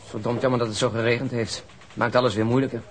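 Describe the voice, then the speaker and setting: An actor playing a sober, weary police detective in a radio crime drama, terse and subdued. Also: male voice, medium pitch, level tone, fast talker, lightly acted. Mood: businesslike, weary. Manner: terse, matter-of-fact, subdued.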